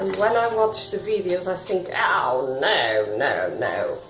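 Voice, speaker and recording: A woman speaks at a very slow pace with music in the background. Audible echo fills the room. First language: not English. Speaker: cooking video host. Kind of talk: cooking tutorial. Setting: home kitchen. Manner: casual, chatty.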